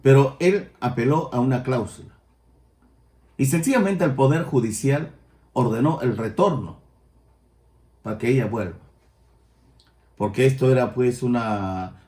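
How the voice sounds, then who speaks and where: An older man with a Peruvian Spanish accent, preaching a sermon as pastor and rising loud on his key points. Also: medium pitch, moderate pace, roomy sound. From Peru.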